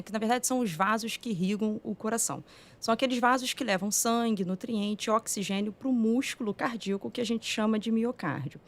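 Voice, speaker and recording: A woman cardiologist with a Brazilian Portuguese accent, calmly and methodically explaining heart disease in a podcast studio. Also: medium pitch. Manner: calm, methodical explaining with frequent "né". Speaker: cardiologist guest. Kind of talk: explanatory medical talk.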